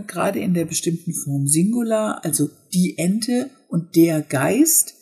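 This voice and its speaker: A woman hosting a podcast language lesson, explaining pronunciation step by step and modelling words slowly. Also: fairly low pitch, dark tone, slightly rough. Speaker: Swedish teacher and podcast host.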